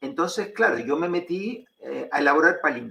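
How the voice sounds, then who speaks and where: A man with a high pitch, very wide pitch swings, and a Canarian accent. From Canary Islands, La Palma. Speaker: writer and statistics professor. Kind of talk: interview.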